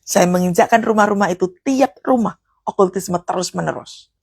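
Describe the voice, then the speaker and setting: A woman preacher, giving a charismatic sermon. She swings from loud, forceful preaching to hushed prayer. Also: mid-range voice, moderate pace, creaky, slightly rough, no echo.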